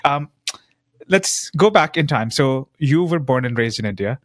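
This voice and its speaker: A man's voice: mid-range voice, animated, measured pace, no room sound. Male host with a dry, close sound. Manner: encouraging, sums up guest's points. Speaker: podcast host. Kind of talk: interviewing a guest.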